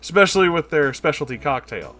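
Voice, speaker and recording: A man's voice: a little high, animated, brisk, pushed and bright, faint music behind. A man narrating a comedic story as host, with an emphatic, dramatic storytelling delivery.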